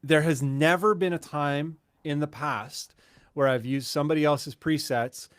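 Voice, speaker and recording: A man's voice: on the high side, steady tone, a little slow, no echo. Joking man in his late forties. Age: 40s. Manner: joking, self-mocking, rambling. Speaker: guest guitarist. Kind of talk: casual chat.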